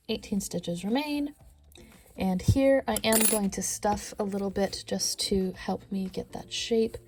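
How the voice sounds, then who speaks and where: A woman with a stuffy nose teaching a crochet tutorial, counting stitches aloud and often sinking to a soft near-whisper. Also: mid-range voice, vocal fry. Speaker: crochet instructor. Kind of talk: step-by-step craft tutorial.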